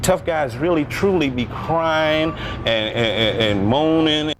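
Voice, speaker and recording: A man in his forties who is a prison inmate, speaking reflectively and haltingly. His voice sits a little high. Clear background noise runs under him. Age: 40s.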